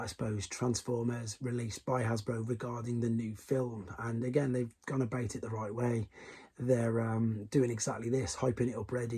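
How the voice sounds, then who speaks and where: Hoarse man chatting toy news. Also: medium pitch, mellow. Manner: chatty, rambling with asides and self-corrections. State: losing his voice. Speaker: toy collecting channel host. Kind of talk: casual toy news roundup.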